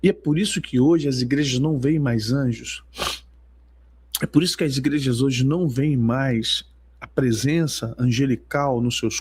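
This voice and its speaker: A man's voice: medium pitch, husky. A man, worship leader and preacher, telling a testimony in an emphatic, storytelling way and acting out the dialogue. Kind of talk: sermon testimony.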